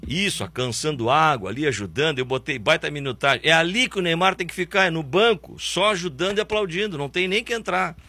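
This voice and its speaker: A man's voice: fairly high pitch, fast, hardly any pauses, sharp tone, husky, no room sound. A man, hosting a football talk show and ranting bluntly and sarcastically about the national team. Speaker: sports commentary host. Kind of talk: opinionated football commentary.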